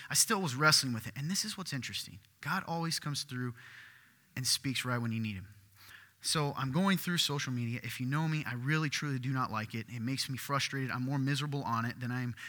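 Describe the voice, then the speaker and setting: A man preaching a sermon as pastor, with a deeper voice, talking conversationally and asking his congregation questions. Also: brisk. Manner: excitable, conversational, asks the crowd questions. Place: church hall with congregation. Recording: long hall reverb.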